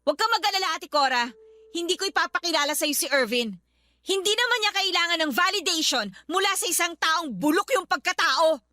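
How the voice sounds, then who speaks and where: A woman's voice: very high voice, expressive, brisk, sharp tone, no room sound, studio quality, exaggerated voice. An actress playing a hurt younger sister who answers her elder with bitter, cutting words in a radio drama. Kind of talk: Tagalog radio drama acting.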